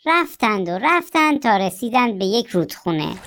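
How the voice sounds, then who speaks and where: A woman reading a children's story aloud in an expressive storytelling manner. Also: a little high, very noisy.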